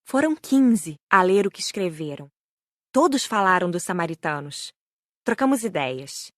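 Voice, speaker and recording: A woman's voice: fairly low pitch, sing-song, unhurried, dry recording, clean studio sound. A woman with a Brazilian accent reading a scripted first-person audiobook story. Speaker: audiobook narrator.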